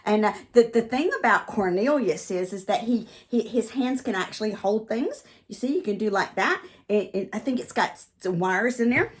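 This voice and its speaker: A woman's voice: medium pitch, expressive, moderate pace, hardly any pauses. A woman ventriloquist and comedian talking casually in a chatty, rambling way as she demonstrates on a vlog.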